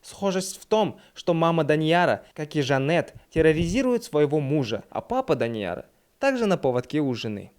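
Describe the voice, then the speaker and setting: Man, film review narration, a bit high-pitched, mocking, sarcastic, comedic host. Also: sing-song, normal speed, a little mellow.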